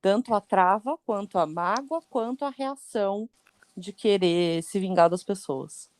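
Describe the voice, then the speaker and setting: A woman's voice: mid-range voice, unhurried, darkish tone. Earnest woman explaining child behavior. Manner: earnest, explanatory, builds points in lists. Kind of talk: explanatory conversation.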